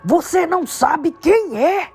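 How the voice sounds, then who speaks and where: A woman voicing a huge, gruff half-giant man who bellows in slow, emphatic outbursts. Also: extremely high pitch, expressive, a little mellow, faint music behind, voice pushed up, full character voice. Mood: indignant.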